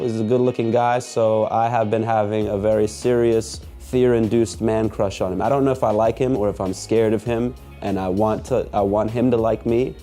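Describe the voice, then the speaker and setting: A man's voice: fairly low pitch, warm tone. A man in a casual comedic rant, sarcastic, with rising outbursts. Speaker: comics commentator.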